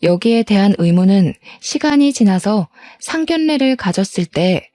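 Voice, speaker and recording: A woman's voice: mid-range voice, expressive, moderate pace, dark tone, no room sound. A woman in her thirties reading a first-person story aloud in an aggrieved, complaining tone. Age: 30s.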